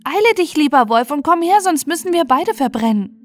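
A woman's voice: sits high, sing-song, fairly quick, faint music behind, voice pushed up. A woman voicing a small, frightened noble boy in a fairy tale, plaintive and childlike. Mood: urgent.

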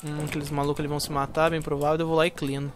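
A young Brazilian man giving casual, slangy commentary over his own gameplay, excitable at first and quieter once he is playing. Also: a little high, rapid-fire, faint music behind. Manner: slangy, excitable intro then quieter focused play talk. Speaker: gaming YouTuber.

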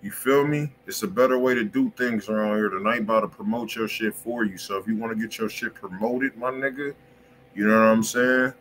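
A man with an American accent hosting a livestream, chatting in casual slang and pitching insistently, often repeating himself. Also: steady tone, brisk, fairly bright tone, slight background noise, rough recording. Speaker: music review stream host. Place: indoor room on a livestream.

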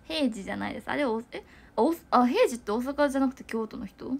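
A woman's voice: a little high, expressive, fast talker, vocal fry. A young woman chatting casually to viewers on a livestream, giggling and rambling with lots of fillers. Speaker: idol livestreamer.

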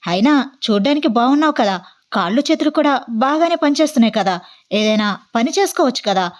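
A woman's voice: fairly high pitch, expressive, close to an everyday voice. A woman voicing a brash, arrogant young man who fires off accusing questions in a storybook reading. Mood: lecturing. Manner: bossy, rapid-fire interrogating.

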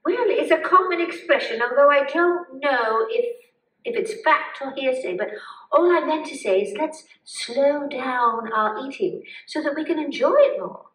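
A woman voicing Eve, a cheerful, chatty woman puppet who gently guides a mindful eating exercise with a lively, storytelling manner. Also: high voice, unhurried. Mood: explaining. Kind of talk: live puppet show acting. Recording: echoey room, mic far off.

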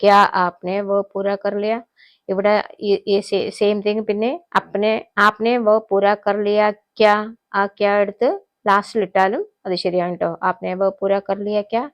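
A woman teaching a spoken Hindi lesson, repeating each phrase slowly and then explaining it. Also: medium pitch, flat delivery, dry recording.

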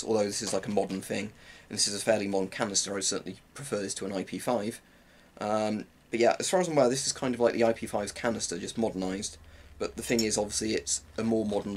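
A British man in his twenties giving an informal, rambling explanation as he demonstrates gear. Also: on the low side. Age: 20s. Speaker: presenter of military gear reviews. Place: small cluttered room at home. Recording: clearly noisy home-room recording.

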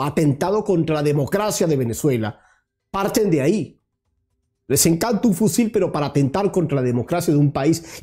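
A man's voice: a little high, dark tone. A man in his thirties hosting political commentary, combative, firing rhetorical questions straight at his target, recorded on a lapel mic in a small studio. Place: small studio with virtual set.

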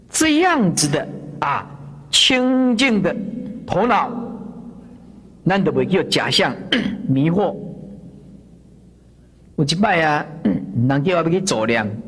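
A Buddhist monk with a Taiwanese accent giving a storytelling sermon, often clearing his throat and slowly repeating phrases for emphasis. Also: fairly high pitch, fairly bright tone.

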